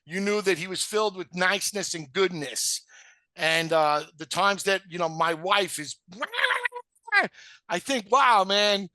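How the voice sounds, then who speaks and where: Guy hosting a rewatch podcast, high bright voice, swears a lot, dry close sound. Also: big pitch swings, takes it slowly, dry recording. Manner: blunt and profane, joking. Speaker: podcast host. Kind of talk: casual rewatch podcast chat.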